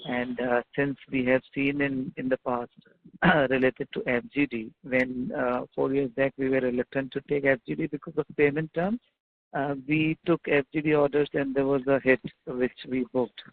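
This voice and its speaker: An Indian-accented man calls in over a narrow phone line as an analyst. His delivery is halting and flat, with a gravelly creak in his voice, as he puts questions on an earnings call. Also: mid-range voice. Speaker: analyst caller.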